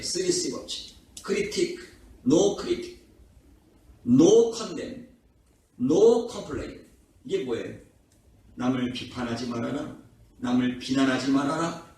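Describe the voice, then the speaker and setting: A man's voice: mid-range voice, darkish tone. A man preaching a revival sermon as pastor, with passionate rhetorical questions. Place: prayer house worship hall. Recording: echoey hall from far off, faint noise.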